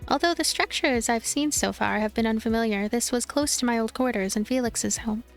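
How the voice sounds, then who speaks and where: A woman with a fairly high voice narrates a visual novel for a let's play. She reads expressively, like a storyteller, with music playing behind her. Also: brisk. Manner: animated storytelling, acts out dialogue.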